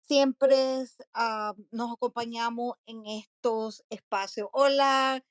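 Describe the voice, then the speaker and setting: A woman's voice: a little high, steady tone, slow pace, dry recording. A woman hosting an online podcast, greeting listeners and her guest in casual, chatty conversation. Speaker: podcast host. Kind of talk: casual interview chat.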